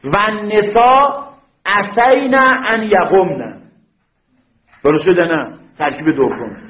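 High-voiced male teacher in an echoey room. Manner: lively, checks understanding with rhetorical questions. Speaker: Arabic grammar teacher. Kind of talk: classroom lecture. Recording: echoey, dull lo-fi room recording.

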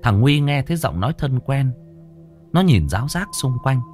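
Man telling a ghost story, animated pitch, dramatic, faint music behind. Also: normal speed. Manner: dramatic, expressive.

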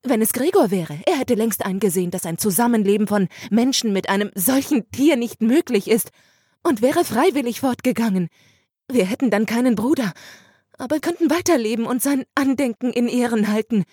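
A woman's voice: on the high side, animated, normal speed, mellow, slightly rough, dry recording, studio quality, voice pushed up. A woman voicing a young sister who speaks urgently and tearfully in an audiobook reading, pleading and insistent. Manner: urgent, pleading, rising to cries.

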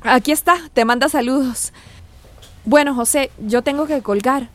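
A woman's voice: high-pitched, moderate pace, fairly bright tone. A tender migrant mother. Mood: concerned. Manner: tender, chatty, concerned. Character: warm affectionate middle-aged migrant mother. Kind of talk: radio drama acting.

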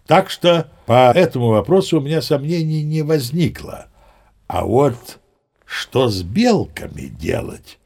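Folksy boastful old sea captain. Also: male voice, on the high side, very animated, measured pace, darkish tone, full character voice. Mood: musing. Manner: chatty, folksy, self-assured, emphatic. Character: seasoned old sea captain, boastful, unflappable yarn-spinner. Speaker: narrator. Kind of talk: theatrical first-person storytelling, audio play.

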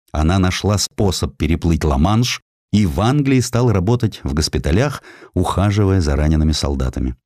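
A man reading a historical essay as a dramatic audiobook narrator, with expressive, measured literary phrasing into a close studio mic. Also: sits low, no room sound. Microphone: close studio microphone.

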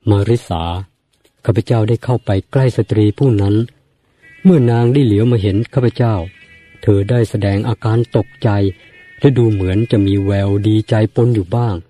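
A man reading a novel aloud as an audiobook narrator, in a measured and formal storytelling manner. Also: lowish voice, warm tone, faint music behind.

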